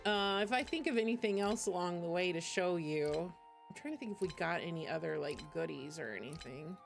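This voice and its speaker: A woman's voice: on the low side, brisk, vocal fry. Chatty woman streamer over game music. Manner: chatty, rambling, giggly. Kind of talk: casual live stream chat.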